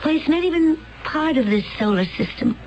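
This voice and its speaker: An actress playing a serene, beautiful woman from a far-future world in a 1970s radio drama, speaking in solemn, measured, dreamy declarations. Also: high voice, expressive. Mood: earnest, mysterious. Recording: dull, noisy old radio broadcast.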